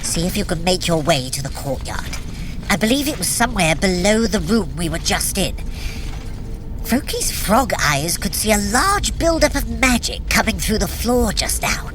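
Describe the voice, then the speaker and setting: A woman's voice: medium pitch, sing-song, normal speed, music in the background, lightly acted. A woman playing a sly, teasing trickster god in an audio drama, captive but cocky, with a wry, theatrical, coaxing manner. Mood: wry, playful. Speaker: voice actor in a fitness audio drama. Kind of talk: audio drama acting, guiding a runner.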